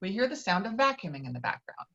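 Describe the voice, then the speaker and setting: A woman's voice: mid-range voice, sing-song, quick pace, creaky, a bit bright, lo-fi sound. A woman reading screenplay stage directions aloud as narrator of a table read.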